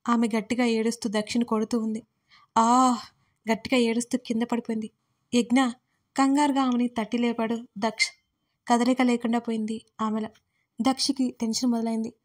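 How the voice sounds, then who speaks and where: Higher-voiced woman narrating a story. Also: level tone, a little fast, darkish tone. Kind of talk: scripted narration of a romance audio story.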